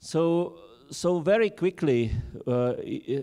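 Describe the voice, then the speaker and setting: With a Czech accent, a man speaks using lively intonation. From Czech Republic. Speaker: government drug policy official. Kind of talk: panel discussion. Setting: conference stage with audience. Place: stage. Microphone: handheld.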